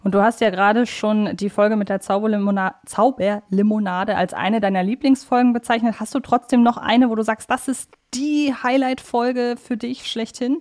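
A woman's voice: on the high side, fairly even intonation, moderate pace, few pauses, a little mellow. A woman in her thirties hosting a podcast, asking questions in a casual conversational way. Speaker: podcast host, interviewer.

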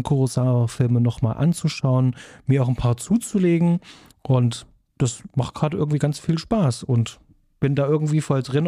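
A man's voice: mid-range voice, warm tone, no room sound, studio quality. A man in his forties co-hosting a casual film podcast, chatting with lots of filler sounds. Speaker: podcast co-host.

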